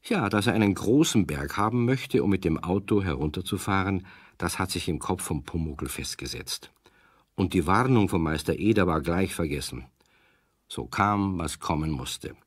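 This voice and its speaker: A man narrating a children's audio story, conversational and animated, as if talking to young listeners. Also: low voice, normal speed, slightly rough, no room sound, studio quality. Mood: storytelling. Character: chatty male storyteller addressing young listeners.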